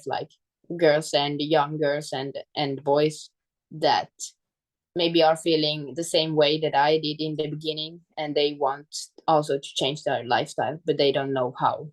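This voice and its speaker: A woman's voice: low-pitched, rough recording. A woman from Finland, a native Swedish speaker with a Finland-Swedish accent, talking casually as an interview guest and searching for words in English. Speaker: guest, fitness coach.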